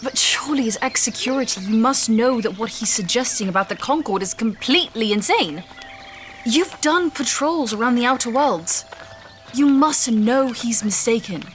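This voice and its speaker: A woman's voice: a little high, animated, moderate pace, faint music behind, close to an everyday voice. An actress playing a skeptical, proud woman doctor in an audio drama, dry, precise and disapproving. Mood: exasperated.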